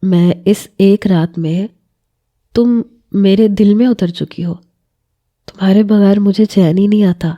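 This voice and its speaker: A young newly married husband in a romantic storybook reading, possessive yet tender, curt when angry and coaxing when he softens, as a woman reads his lines. The tone is very dark and mellow, and the pitch sits at an ordinary middle level. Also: muffled recording, natural voice.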